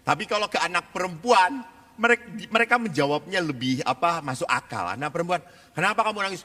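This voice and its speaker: A Catholic priest preaching a lively seminar to a live audience, acting out the voices of children and mothers as he tells stories. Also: on the high side, brisk. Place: large hall with an audience. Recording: hall reverb.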